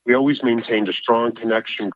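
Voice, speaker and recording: A man's voice: mid-range voice, fairly even intonation, fairly quick, no room sound. Man, restaurant owner, sincere reflective tone, thin phone line. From Chicago. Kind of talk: interview.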